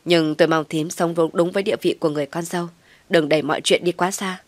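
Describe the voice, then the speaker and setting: A woman voicing a calm, reproachful adult man who speaks in a measured, stern way. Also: lowish voice, dry recording, lightly acted.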